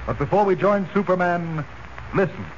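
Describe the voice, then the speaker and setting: A man's voice: high-pitched, animated, normal speed. A man announcing and narrating a 1940s radio drama in a dramatic, declamatory style. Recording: muffled hissy 1940s radio recording.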